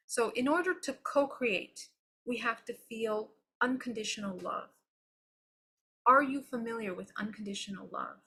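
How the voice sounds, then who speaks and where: Breathy woman giving a spiritual teaching. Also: fairly high pitch, a bit bright. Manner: earnest, reflective, checks in with "okay?"; loose and unscripted, with restarts. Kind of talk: live-streamed spiritual teaching.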